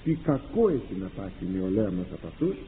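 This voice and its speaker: A man, a priest and confessor, delivering a sermon with animated rhetorical questions and acted-out exchanges. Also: on the low side, slight background noise. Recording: tinny lo-fi archive recording in a reverberant hall.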